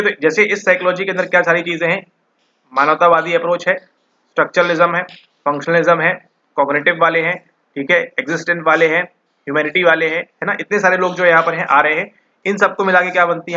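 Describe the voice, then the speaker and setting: Bright-voiced man lecturing, lo-fi audio. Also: a little high. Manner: rhetorical questions answered himself, repeats "ठीक है". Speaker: psychology exam tutor. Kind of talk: online lecture. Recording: dull lo-fi audio.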